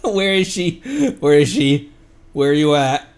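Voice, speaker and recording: A man's voice: fairly high pitch, unhurried, smooth. A male streamer giving casual, joking commentary over a game, reading on-screen text aloud, laughing and swearing.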